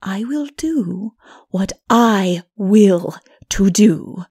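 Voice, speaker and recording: A woman voicing a proud, tyrannical princess in a dark fantasy audiobook, with a forceful, haughty delivery. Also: medium pitch, animated, very slow, slightly rough, voice pushed down, full character voice. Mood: cold defiance. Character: defiant proud wicked princess, tyrannical and unrepentant.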